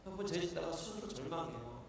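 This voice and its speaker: A man preaching a sermon as pastor, earnest, shifting from hushed pleading prayers to loud exhortation. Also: fairly high pitch, animated, quick pace, a little hiss or hum. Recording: echoey church hall, voice from far off.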